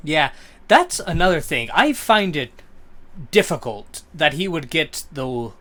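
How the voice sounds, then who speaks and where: Male podcast co-host, a touch high-pitched, rambling and opinionated, casual. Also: sing-song, unhurried, fairly bright tone. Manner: rambling, self-correcting, opinionated.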